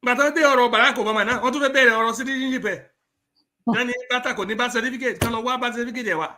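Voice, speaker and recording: Here a man speaks very fast in a very high voice that is pushed and bright. He's a Yoruba-accented guest from Nigeria on a political talk show, code-switching between Yoruba and English with emphasis.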